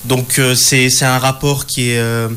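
A man in his thirties speaks as a radio guest, thoughtful and repeating words as he searches. His voice is mid-pitched. A faint hum sits behind him. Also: little pitch movement, normal speed, sharp tone. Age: 30s. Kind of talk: casual radio conversation.

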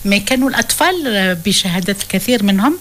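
A woman's voice: medium pitch, expressive, racing, fairly bright tone. A woman with an Algerian accent and Arabic as her first language, explaining things in a radio conversation and mixing languages. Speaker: radio discussion participant.

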